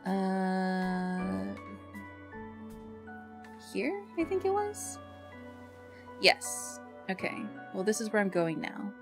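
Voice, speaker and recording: A woman's voice: medium pitch, expressive, extremely slow, long pauses, music in the background. A woman hosting a livestream in casual, chatty talk with self-deprecating grumbling, speaking into a streaming mic. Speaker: livestream host.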